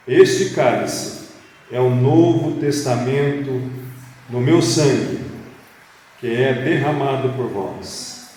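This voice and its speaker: Man, Brazilian accent, slow deliberate sermon delivery, very reverberant hall, distant mic. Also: medium pitch, a little mellow. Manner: deliberate, phrase by phrase, with rhetorical questions. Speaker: preacher. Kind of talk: sermon with scripture reading. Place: church meeting hall. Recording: very echoey hall, distant mic, faint noise.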